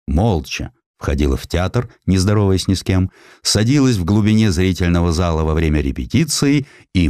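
A man reading a literary audiobook as dramatic scripted narration, deliberate and expressive, with pointed pauses. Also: deep voice, no room sound, clean studio sound.

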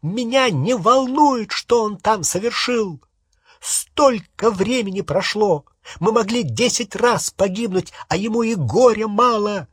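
A man's voice: big pitch swings, unhurried, fairly bright tone, husky, dry recording, studio quality, heavily acted. A man doing a shrieking furious teen witch. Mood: bitter sarcastic. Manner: shrill, screaming, sarcastic.

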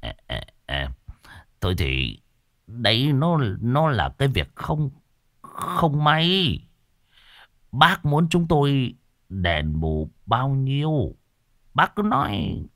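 Brief: man doing a flustered young master in a spoken story, grumbling and stammering, lively pitch. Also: slow pace, long pauses, heavily acted. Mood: nervous.

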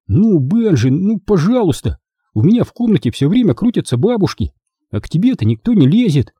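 An eager, pleading schoolboy from a storybook, as a male reader acts him out. His voice is raised a little above a man's usual pitch, with a husky, dark grain and a dry close sound. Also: very animated, fairly quick, no echo, full character voice.

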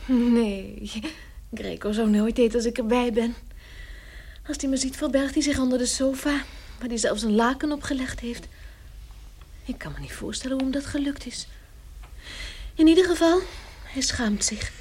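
An actress playing a caring, earnest young daughter in a radio play, gentle and pleading in manner. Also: female voice, on the high side, moderate pace, long pauses, slight background noise, natural voice. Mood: earnest, worried.

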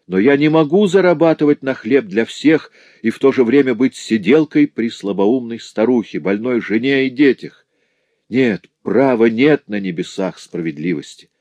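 A man's voice: fairly low pitch, normal speed, a little mellow, no echo, natural voice. A man reading a novel aloud, voicing a poor, overworked jeweler in a despairing, pleading tone.

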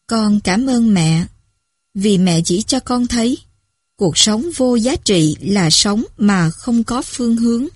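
A woman narrating a story in a measured, even reading voice. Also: fairly high pitch, breathy edge, no room sound, clean studio sound.

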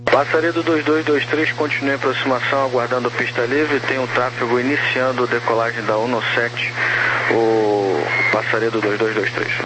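A man's voice: medium pitch, flat delivery, normal speed. A Brazilian man working as a tower air traffic controller, speaking clipped procedural phraseology over crackly radio. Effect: crackly aviation radio. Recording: noisy aviation radio with electrical hum.

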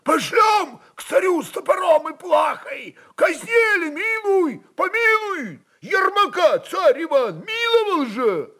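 Man acting shouting, high-voiced pleading Cossack. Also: sing-song, slow, few pauses, heavily acted. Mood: fervent pleading. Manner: loud crying appeals. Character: wild, shaggy, broad-shouldered Cossack pleading to his brothers.

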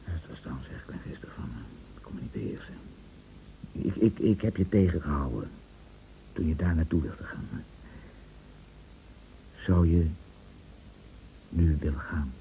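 An actor playing an anguished bedridden husband in a Dutch radio play, brooding and halting, often repeating his words and dropping to whispers. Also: a bass voice, creaky, warm tone, exaggerated voice. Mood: subdued, urgent. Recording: dull, noisy old radio recording.

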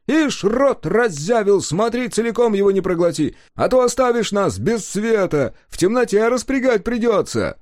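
A man doing a loud, mocking carter. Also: high-pitched, sing-song, moderate pace, few pauses, no room sound, clean studio sound, pitched above the performer's own voice.

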